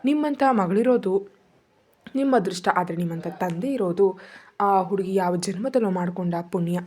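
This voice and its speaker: A woman voicing a kind young female guest in a storybook reading, speaking with warm, earnest praise. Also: mid-range voice, moderate pace, close to an everyday voice.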